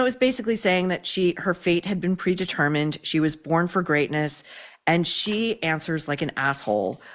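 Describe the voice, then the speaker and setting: A woman's voice: lowish voice, a little hiss or hum. Sarcastic, swearing female commentator. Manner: sarcastic, profane. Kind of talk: opinionated commentary clip.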